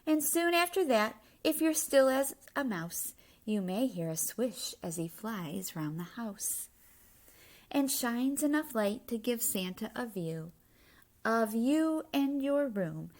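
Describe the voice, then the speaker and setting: Reading a children's storybook in a fairly high voice, a woman delivers the rhymes with expression and emphasis, pausing to explain things along the way.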